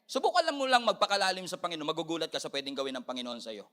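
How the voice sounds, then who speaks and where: A man with a Filipino accent preaching an animated sermon as pastor, mixing in English and calling for amens. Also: a little high, rapid-fire.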